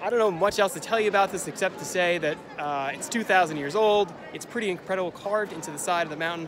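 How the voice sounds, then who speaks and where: Recorded dry with no echo but with noticeable background noise, a man speaks at a very fast pace in a high pitch with ordinary pitch variation. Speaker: travel vlogger. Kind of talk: casual vlog chat. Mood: enthusiastic, amazed. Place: open country. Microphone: phone near.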